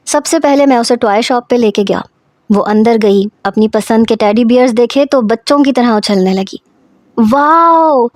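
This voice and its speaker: A woman's voice: a little high, a little mellow, no room sound. Woman telling a story, dry close voice. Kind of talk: scripted story narration.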